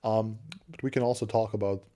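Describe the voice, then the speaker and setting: A low-voiced man with a Serbian accent co-hosts a tech stream in loose, chatty English. His tone is mellow and warm, and he stumbles and repeats words while searching for phrasing, laughing often between thoughts. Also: steady tone, fairly quick. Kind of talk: casual tech chat.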